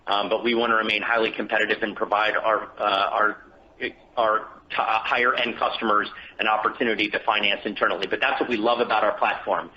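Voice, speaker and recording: A man speaking as a finance executive on an earnings call, giving measured, careful answers. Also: on the low side, steady tone, pushed and bright. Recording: dull conference call line with hiss.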